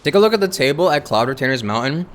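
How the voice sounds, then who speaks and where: Animated casual game streamer over music. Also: mid-range voice, racing. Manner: informal, jokey. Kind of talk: casual live reaction commentary.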